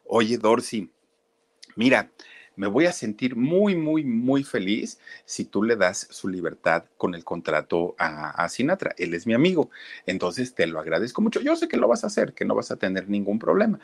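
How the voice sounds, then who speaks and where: A man's voice: fairly low pitch, big pitch swings, normal speed. A man voicing a courteous but menacing male mob boss who asks a favor with a veiled threat. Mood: polite menace.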